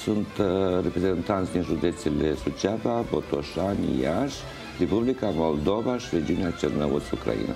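An older man being interviewed in a TV studio, explaining things in a halting, measured way. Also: deep voice, expressive, creaky. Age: older, around 60s. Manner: halting, measured, pausing mid-phrase. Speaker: interview guest, folk festival organizer and juror. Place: indoor TV studio. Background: music playing.

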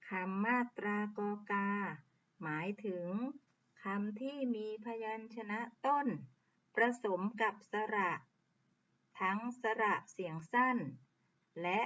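A woman teacher giving a reading lesson to young children, sounding out syllables slowly and clearly. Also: mid-range voice, fairly bright tone, highs cut off. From Thailand. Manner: slow, drawn-out sounding out of words.

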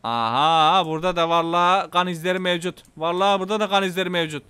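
A man with a Turkish accent giving excitable, casual gameplay commentary, talking to his viewers and swearing playfully. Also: high-pitched, fast, clear, resonant tone. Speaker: gameplay YouTuber.

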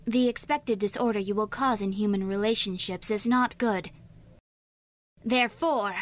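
A woman's voice: mid-range voice, fairly even intonation, normal speed, lightly acted. A woman voicing a literal-minded android girl in an anime fan dub, formal and precise. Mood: clinical.

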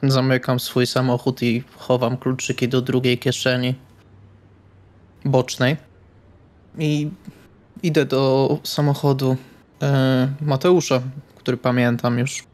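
A man's voice: medium pitch, little pitch movement, slow, pauses often, a little mellow. A man playing a tabletop role-playing game, describing his character's actions in a conversational way.

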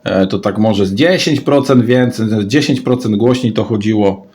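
A man's voice: on the low side, moderate pace, a little mellow. A man giving a casual, off-the-cuff product showcase in a rambling way, often repeating his words and phrases. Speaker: radio hobbyist vlogger.

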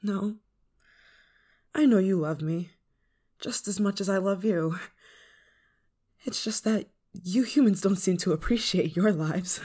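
A woman's voice: medium pitch, warm tone, slightly rough. Woman acting as a clingy, desperate android lover. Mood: pleading, possessive. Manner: hesitant, halting, emotionally intense delivery. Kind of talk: ASMR roleplay drama monologue.

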